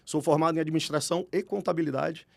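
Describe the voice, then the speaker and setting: A man from Rio de Janeiro speaking with a Carioca accent, an animated and talkative podcast guest. His voice sits fairly high and carries a gravelly rasp. The recording is close and dry. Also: fast talker, no echo. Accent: Carioca Brazilian Portuguese. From Rio de Janeiro, Brazil. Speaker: guest executive. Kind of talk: podcast interview.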